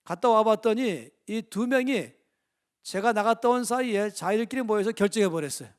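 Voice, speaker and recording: A middle-aged male pastor preaching a sermon, telling stories dramatically and swinging between loud bursts and quiet asides. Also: high-pitched, moderate pace, smooth.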